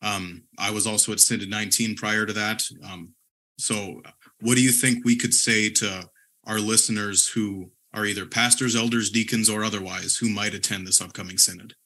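A man hosting a church podcast, asking questions in a measured way with many pauses. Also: lowish voice, fairly even intonation, pushed and bright. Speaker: podcast host. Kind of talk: casual podcast interview.

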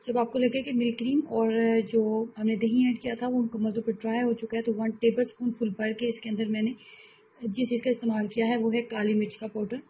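A woman hosting a home cooking channel, calmly explaining recipe steps in a voice-over and often repeating herself. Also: a little high, fairly quick, slight background noise, low-quality recording.

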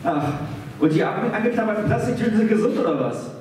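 Man acting a sarcastic, excitable high-pitched tomcat, echoey stage. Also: quick pace. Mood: menacing. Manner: theatrical, blustering, stammering at times. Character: sarcastic, irritable male house cat of dubious character. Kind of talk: live comedy radio play. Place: theatre stage. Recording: echoey stage, distant mic, faint noise.

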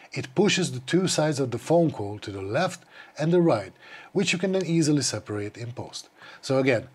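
Brief: man in his forties, mid-pitched, explaining gear plainly, small studio clip-on mic. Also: darkish tone, breathy edge. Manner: explanatory, matter-of-fact. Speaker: podcast gear reviewer. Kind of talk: scripted product review. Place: small dim studio, indoors. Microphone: clip-on wireless mic.

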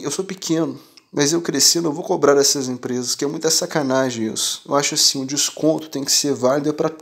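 Gravelly Brazilian man ranting to viewers. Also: fairly high pitch. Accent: Brazilian Portuguese. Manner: animated, emphatic, keeps asking "entendeu?". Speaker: tech channel host and shopkeeper. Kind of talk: casual direct-to-viewer talk.

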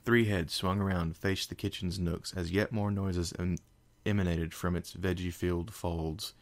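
A man reading a fan fiction story aloud as narrator, in a steady, measured storytelling voice. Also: deep voice.

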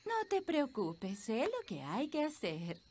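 A woman voicing a brisk, knowing fairy nanny in a children's cartoon, with a theatrical delivery and a Latin American Spanish accent. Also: fairly high pitch, huge pitch swings, darkish tone, husky, full character voice. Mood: reassuring, brisk.

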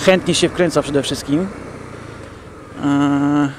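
A young man talking casually to viewers while riding a motorcycle through city traffic, in a relaxed, chatty way. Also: a little high. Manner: relaxed, chatty, addresses viewers directly, drawn-out fillers. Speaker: motovlogger. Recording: helmet mic with wind and traffic noise.

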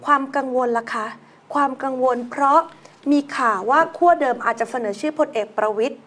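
Woman news show host, high voice, reads stories then chats casually about them. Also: brisk, a little hiss or hum. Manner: reads news items then banters in a relaxed, conversational way. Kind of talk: chatty news commentary.

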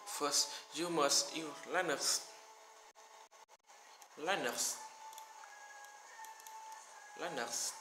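Slow, halting Vietnamese-accented man. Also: fairly high pitch, background noise. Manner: halting, apologetic, repeats words. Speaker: tech tutorial creator. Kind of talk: screen-recorded tech walkthrough. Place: small room at a desk with a laptop. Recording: echoey room with music behind.

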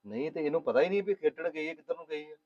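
Brief: actor as a mild easygoing husband, brisk delivery, muffled audio. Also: male voice, fairly high pitch, expressive, darkish tone. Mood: calm. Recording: dull lo-fi sound.

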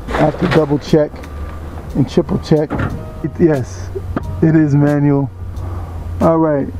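The audio is poor, and this man's voice is fairly high, creaky and warm. Filming on a body-worn camera in a garage workshop and an outdoor junkyard, he casually walks through his car restoration, rambling in a relaxed, slangy how-to style.

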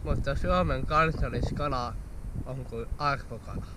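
A man's voice: medium pitch, echoey room, noisy background. A young man giving brief, earnest answers to a host, first on a frozen lake and then at a kitchen table. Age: young adult. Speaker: guest angler. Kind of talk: casual answers on camera.

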